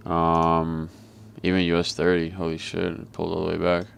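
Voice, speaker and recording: A man with a very deep, heavily gravelly voice talks through the markets live. His delivery is flat and monotone, casual and blunt, and he swears freely. He sounds like he is on a video call. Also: moderate pace, slight background noise. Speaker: trader and market commentator. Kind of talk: live trading commentary.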